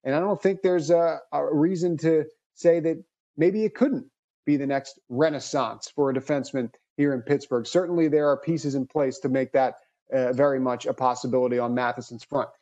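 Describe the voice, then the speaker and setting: Male podcast host, measured analytical read, higher pitch, warm mellow timbre. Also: fairly even intonation, lo-fi sound. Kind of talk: scripted sports podcast narration.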